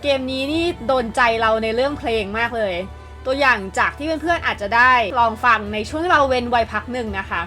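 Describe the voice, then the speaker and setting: A woman's voice: high-pitched, brisk, bright, forceful tone. A woman hosting a video list in an upbeat scripted narration, addressing viewers in a polite, friendly way. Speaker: video host presenting a game list. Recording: music behind the voice. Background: background music.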